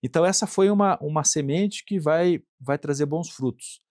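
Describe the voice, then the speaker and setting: A man's voice: a little high, normal speed, darkish tone, no room sound, clean studio sound. A middle-aged Brazilian man, an industrial plant manager, answering interview questions earnestly and thinking aloud, often checking in with tag questions and repeating words. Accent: Brazilian Portuguese.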